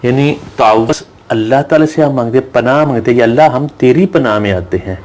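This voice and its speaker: A male Quran reading teacher who drills letter sounds in slow, repeated chants and explains pronunciation. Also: medium pitch, darkish tone. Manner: recites Arabic verses slowly in a melodic chant. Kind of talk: slow drilled recitation lesson.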